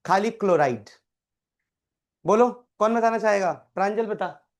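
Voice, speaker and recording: A man's voice: sits high, a little slow. A man teaching a chemistry class, quizzing students by name and repeating key terms. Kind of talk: live classroom tutoring.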